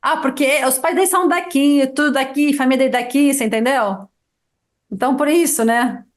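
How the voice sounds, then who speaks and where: Brief: middle-aged woman, high voice, Arabic native speaker from Lebanon, chatty guest, lively storyteller with restarts. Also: fairly quick. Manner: lively storyteller, many restarts and "sabe?" tags. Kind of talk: casual interview chat.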